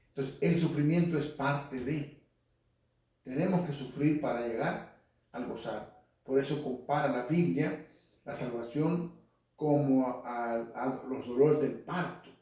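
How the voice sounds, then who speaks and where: Heard from a distance in a very echoey hall, a lay Catholic preacher leads a Spanish-language Bible lesson. His voice sits in the mid-range with a warm tone, and he quotes scripture while naming individual listeners.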